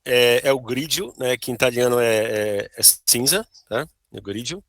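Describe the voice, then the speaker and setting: A Brazilian man with a bright, forceful voice walks through his board game design, stopping to check in with "né?" and "tá bom?". The sound is dry and close, with no room around it. It comes across as a video call. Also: mid-range voice, normal speed, dry recording. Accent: Brazilian Portuguese. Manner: explains with frequent "né?" and "tá bom?". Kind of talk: casual interview chat.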